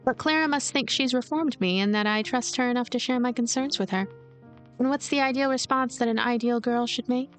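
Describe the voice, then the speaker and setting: Woman as cynical scheming girl narrator, high voice. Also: brisk, soft background music, natural voice. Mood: detached, calculating. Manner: detached, coaxing, calculating. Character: lonely, cynical, manipulative girl ghost narrating her schemes. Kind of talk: narration of a visual novel.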